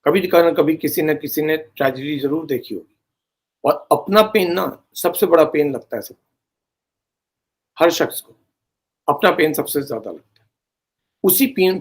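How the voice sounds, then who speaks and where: Earnest man, slightly high voice. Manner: pleading, emphatic, mixes in English phrases. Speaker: commentator. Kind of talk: earnest direct-to-camera commentary.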